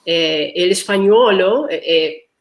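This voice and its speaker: A woman from Argentina, a native Spanish speaker, answers on a panel in halting Italian with an Argentine Spanish accent, searching for words. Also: lowish voice. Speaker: guest musician at a panel on choral singing.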